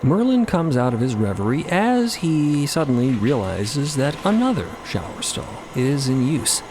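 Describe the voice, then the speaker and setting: A man's voice: mid-range voice, big pitch swings, measured pace, noisy background. A man narrating scripted audio fiction in a dramatic storytelling style.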